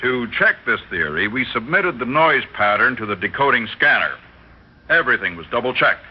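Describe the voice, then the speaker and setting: An actor playing a scientist who briefs the press in a halting way in a vintage radio drama. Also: male voice, medium pitch, big pitch swings, husky. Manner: halting, with fillers. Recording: dull old radio recording.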